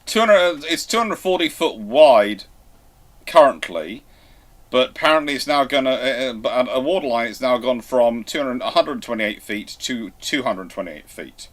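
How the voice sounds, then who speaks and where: A man hosts a casual live stream with a middling pitch. He talks haltingly, working things out aloud as he goes. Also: lively intonation. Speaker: host of a live question and answer stream.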